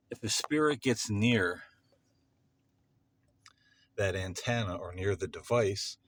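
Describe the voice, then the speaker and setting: A man talking casually and unscripted to camera as a paranormal vlog host, with a halting delivery that pauses mid-sentence. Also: low-pitched. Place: parking lot at night.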